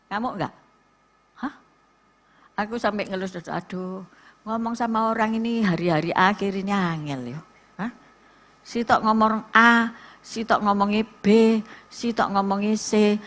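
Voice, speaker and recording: A middle-aged woman pastor with a Javanese accent, preaching a sermon to a church and telling stories with lively asides to the congregation. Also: mid-range voice, a little slow, pauses often. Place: church service.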